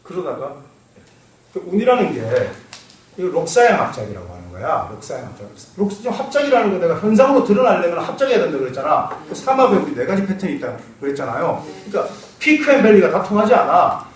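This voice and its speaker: A man giving a classroom lecture on fortune-telling, lively and quizzing his students, laughing now and then. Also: high-pitched, fast. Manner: animated, asks students questions, laughs. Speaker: saju lecturer. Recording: roomy echo, mic far off, faint noise.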